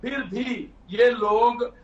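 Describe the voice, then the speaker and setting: A man's voice: very high voice, fairly even intonation, drawn-out words. A man making an insistent, accusing statement in a heated debate, his voice carrying a heavy cave-like echo over a remote line. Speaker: political panelist. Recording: echoey distant dull remote line.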